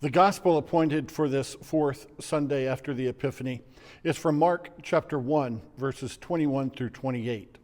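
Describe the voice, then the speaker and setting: A man's voice: mid-range voice, a little slow, a little mellow. A middle-aged man, a pastor, reading the gospel expressively. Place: church sanctuary. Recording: long reverb of a church.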